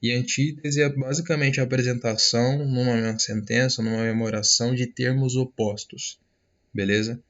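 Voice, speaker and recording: A man's voice: mid-range voice, steady tone, normal speed, a bit bright, muffled recording. A man with a Brazilian accent teaching an online literature class in a casual lecture style, checking in with his students after almost every phrase. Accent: Brazilian Portuguese. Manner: casual, many fillers and check-ins.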